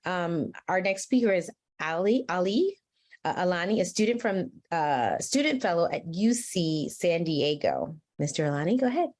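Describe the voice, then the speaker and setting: Lower-voiced woman moderating a press event. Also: sing-song, darkish tone. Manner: reads questions out, brisk introductions. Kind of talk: reading questions and introductions.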